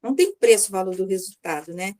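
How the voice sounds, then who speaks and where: A Brazilian woman in her fifties gives a chatty personal testimonial as a mentoring client, speaking quickly in a warm, expressive, medium-pitched voice. She often acts out little dialogues and uses lots of tag questions.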